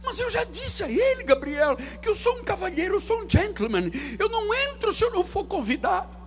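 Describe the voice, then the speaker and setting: Man doing frantic fussy God, squealing very high voice, wildly swooping pitch, pleading. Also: very animated, fairly quick, a little hiss or hum, heavily acted. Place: church sanctuary.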